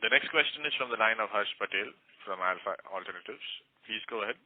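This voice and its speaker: A man's voice: lowish voice, fast talker, no room sound. A man, a conference call operator making formal, scripted announcements. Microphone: phone conference call. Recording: narrow, tinny phone line.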